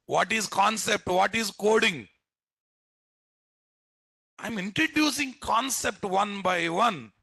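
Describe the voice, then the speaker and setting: A man's voice: sits high, takes it slowly, vocal fry, long pauses, sharp tone, slightly rough, no room sound, studio quality. A man with a Telugu Indian English accent teaching a live programming class in a blunt, scolding way, repeating himself and tossing out rhetorical questions. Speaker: programming instructor. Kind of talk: live classroom lecture to students.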